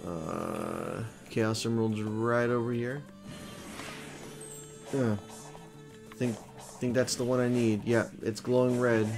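A man streaming a video game live, chatting and reacting out loud as he plays. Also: medium pitch, steady tone, slow, vocal fry, pauses often. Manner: chatty, reacting aloud with frequent laughs. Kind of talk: live gameplay commentary. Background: game music.

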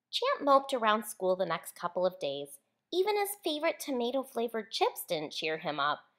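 A woman reads a children's picture book aloud as its author. Her delivery is animated and clearly worded, with very lively swings in pitch.

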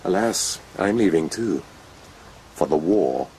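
An actor playing a pompous, amorous colonel in a radio drama, wooing ardently with breathy murmurs. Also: male voice, very deep voice, animated, slow pace, darkish tone, a little hiss or hum, full character voice. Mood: smug, courting. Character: smug, amorous colonel and nobleman, ardent would-be seducer. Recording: radio play with clear background ambience.

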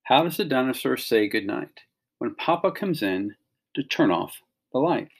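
A man's voice: mid-range voice, big pitch swings, moderate pace, creaky, slight background noise. A middle-aged man giving an instructional read-along for children, explaining and pointing things out in simple phrases. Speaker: teacher reading a picture book aloud to children.

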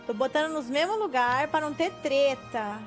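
A woman's voice: sits high, lively intonation, moderate pace. A young woman with a Brazilian accent giving casual live commentary as she streams a game. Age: young adult. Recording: game music behind the voice.

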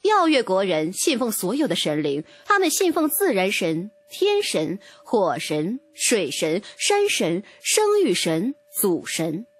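A woman's voice: mid-range voice, wildly swooping pitch, slow, few pauses, husky, no room sound. A woman narrating a novel in a dramatic, scripted first-person storytelling style. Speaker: audiobook narrator.

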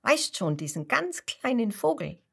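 A woman's voice: a little high, measured pace, creaky, slightly rough, voice pushed up, heavily acted. Kasper, a woman doing an eager young puppet boy. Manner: eager, excited questions. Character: cheerful young male puppet hero, lively and curious. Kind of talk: storytelling for small children.

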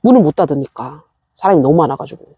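A woman's voice: sits low, expressive, fast, dark tone, husky, no room sound, studio quality. A middle-aged woman in a casual vlog, chatting to her succulents and scolding herself as she tends them at her rural home. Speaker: succulent-growing vlogger. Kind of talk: casual chat while tending plants.

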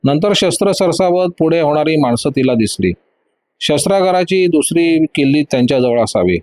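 A man reading a thriller audiobook in a steady, dramatic narration. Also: a little high, normal speed.

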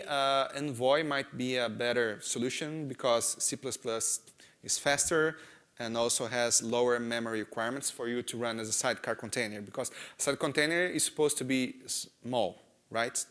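A man in his thirties from Brazil with a Brazilian Portuguese accent, presenting a technical talk on a conference stage, gesturing a lot and often checking in with "right?". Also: medium pitch. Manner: animated, gestures a lot, frequent "right?" and "uh" fillers. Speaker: conference speaker. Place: large conference hall stage.

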